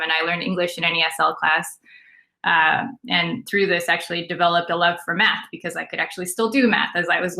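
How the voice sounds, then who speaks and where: A woman's voice: on the low side, pushed and bright. A woman in her thirties who grew up in Venezuela with Spanish as her first language, introducing herself on a conference panel in a reflective way with many ums. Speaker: panelist, product lead.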